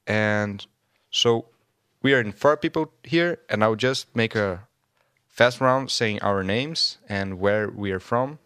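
A young man from Brazil, hosting a casual radio show in halting, English. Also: lowish voice, a bit bright, clean tone, no echo, clean studio sound. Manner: halting non-native English with pauses.

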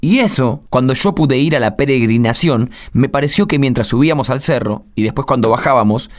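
A man with an Argentine accent playing a devout, gentle young expectant father in a radio drama. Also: mid-range voice, expressive, fairly quick, close to an everyday voice. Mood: thoughtful, moved.

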